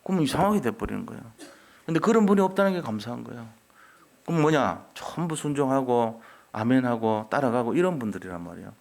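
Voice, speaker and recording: Animated scolding male Korean pastor. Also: mid-range voice, fast, creaky. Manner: animated, acts out quoted voices of churchgoers and children; scolding then softening, rhetorical questions. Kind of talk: sermon. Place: church sanctuary.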